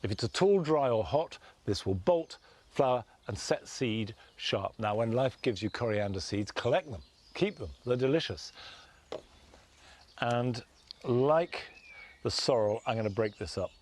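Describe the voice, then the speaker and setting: A man presenting a gardening show outdoors in a garden, talking gently and with measured enthusiasm. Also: medium pitch, expressive, slight background noise. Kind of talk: relaxed instructional garden presenting.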